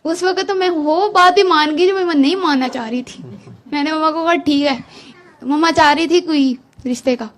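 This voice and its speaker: A woman's voice: sits high, moderate pace, slight background noise. A woman casually recounting a personal testimony, chatty and laughing, quoting what she said. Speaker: guest giving testimony. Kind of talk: casual storytelling.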